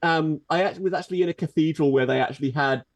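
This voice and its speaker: A man from Scotland with a softened Scottish accent, co-hosting a casual chat and rambling through stories with many restarts. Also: on the high side, quick pace, a little hiss or hum. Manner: rambling, self-correcting, amused. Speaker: podcast co-host.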